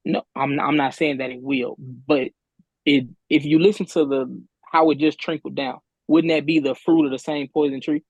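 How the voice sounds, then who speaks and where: A man's voice: a little high, steady tone, moderate pace, no echo. A man speaking as a defendant in a remote court hearing over buzzy, glitchy call audio, stammering and repeating words as he presses his point. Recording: dull, dry call line.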